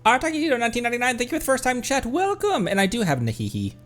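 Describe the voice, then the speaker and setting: A man's voice: very high-pitched, big pitch swings, very fast, fairly bright tone. A man streaming a game, giving casual, playful, quippy commentary and echoing lines from it. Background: faint game music.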